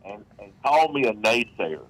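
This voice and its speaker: A man with a Southern US accent calling in to a radio show, talking haltingly with many fillers and restarts. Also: lowish voice, big pitch swings, rough recording. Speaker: caller. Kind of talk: phone call to a radio show.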